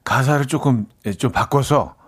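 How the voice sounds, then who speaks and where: A man's voice: mid-range voice, moderate pace, breathy edge. A man hosting a radio show, chatting casually and jokingly while reading listener messages into a studio microphone. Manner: easygoing, jokey, reads listener messages.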